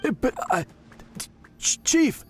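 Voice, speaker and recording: A man's voice: slow pace, faint music behind, natural voice. A man playing an earnest, nervous young tribal priest who stammers and defers, in a video game. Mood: rattled.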